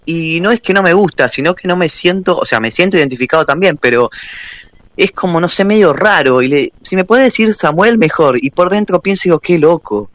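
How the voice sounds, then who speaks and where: A young man with a Rioplatense accent, a radio guest telling a lively personal story and acting out the other voices. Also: a little high, a little fast, dry recording. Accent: Rioplatense Spanish. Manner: lively, laughing, quotes voices. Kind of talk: storytelling anecdote.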